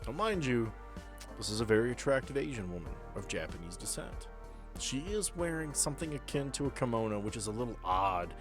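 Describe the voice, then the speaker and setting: A man's voice: mid-range voice, big pitch swings, brisk, over music. A man speaking informally as game master, narrating a tabletop horror game. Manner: informal, profane.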